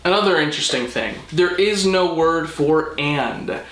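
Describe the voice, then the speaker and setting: A man hosting a language explainer, narrating in a didactic, precise way with deliberate emphasis. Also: fairly high pitch, lively intonation, a bit bright. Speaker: host of a language explainer channel. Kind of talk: explanatory scripted narration with casual asides. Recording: roomy, echoing indoor sound.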